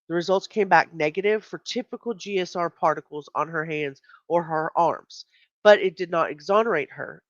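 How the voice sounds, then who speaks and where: A woman with a fairly low-pitched voice hosts a casual livestream, chatty and emphatic, reacting to chat while speaking through a stuffy nose. There's no room sound, and the stream audio comes across dull and lo-fi.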